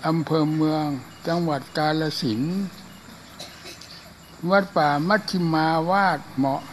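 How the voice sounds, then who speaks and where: An elderly monk gives a loose, chatty dharma talk, slipping into acted voices for his funny stories. His voice sits high for a man, with a faint hiss of noise under it. He is hard of hearing. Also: measured pace. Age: older. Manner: chatty and humorous, acts out voices in anecdotes. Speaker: Buddhist monk. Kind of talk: informal dharma talk and storytelling.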